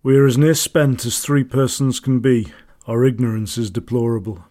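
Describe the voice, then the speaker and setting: An actor voicing a formal, stern Edwardian naval explorer, reading old letters in a measured way. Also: male voice, mid-range voice, steady tone, mellow, lightly acted. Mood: weary. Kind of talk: dramatised quotation reading.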